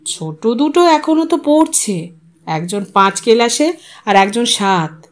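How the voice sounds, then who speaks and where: Humble village carpenter, bereaved father, played by a woman narrator: halting, deferential mumble for an audio story. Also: fairly high pitch, expressive. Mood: subdued.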